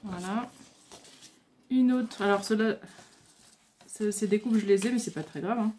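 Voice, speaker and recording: A woman's voice: mid-range voice, unhurried, darkish tone, slight background noise. A woman vlogger casually showing crafts she received by mail, talking hesitantly with many fillers and stumbling over her words.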